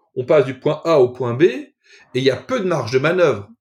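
A man talks at a moderate speed with lively intonation and a somewhat breathy quality. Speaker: management professor. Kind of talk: interview.

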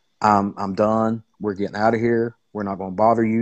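A man talks in a Southern US accent against a quiet background. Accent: Southern drawl. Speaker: paranormal investigator guest. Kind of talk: casual interview, telling personal stories. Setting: video call.

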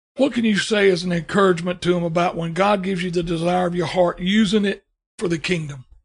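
In a Southern US accent, a man with a high voice talks very fast with fairly even intonation. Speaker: podcast host and storyteller. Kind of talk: scripted intro; casual interview.

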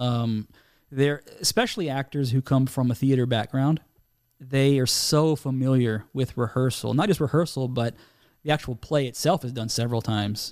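A man with an ordinary speaking voice talks at a moderate pace and a medium pitch with ordinary variation, in a very clean recording with a silent background. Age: 40s. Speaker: indie film writer-director and novelist. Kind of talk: casual interview chat. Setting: studio.

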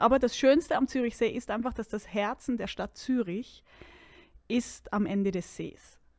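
In a plain, everyday voice, a woman speaks at a fairly slow pace with a fairly high pitch and ordinary pitch variation. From Switzerland, Küsnacht near Zurich. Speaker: podcast co-host. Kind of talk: casual chat.

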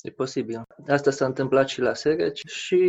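A man with a Hungarian accent speaks at a fairly slow pace and medium pitch. The sound is dry and close, with no echo. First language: Hungarian (speaking Romanian). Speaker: playwright. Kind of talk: interview. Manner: halting.

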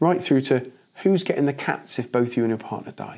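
The man speaks with a British accent and a dark, mellow tone. His recording is very clean, the background silent. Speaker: company CEO. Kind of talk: business interview. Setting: video recording.

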